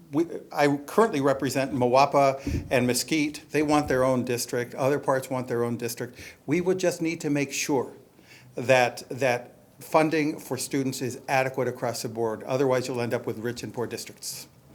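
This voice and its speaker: With a normal speaking voice and an American accent, a man talks at a moderate pace and medium pitch with fairly even intonation. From Texas, Laredo. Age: 60s. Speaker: political candidate. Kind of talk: candidate interview.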